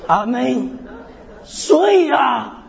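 A man's voice: very high-pitched, very slow, gravelly, crowd noise. A male pastor preaching a sermon with energy, mixing humor and self-deprecating stories with frequent hallelujahs. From North America resident. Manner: animated preaching, peppered with call-and-response hallelujahs. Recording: dull hall with long reverb.

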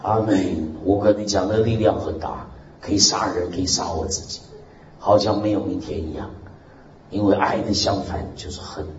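A male pastor preaching a lively sermon with a loud, strong voice, exclaiming amen and hallelujah and laughing along. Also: deep voice, moderate pace. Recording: roomy, muffled recording with faint hiss.

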